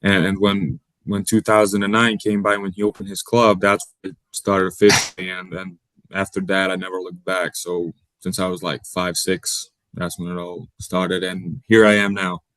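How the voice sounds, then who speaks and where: A young man from Bosnia, Bosnian native, speaking English as a college basketball player in an interview, halting and repeating words as he searches for them. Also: low voice, level tone, a bit bright, no echo, poor audio. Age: young adult. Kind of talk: interview answers.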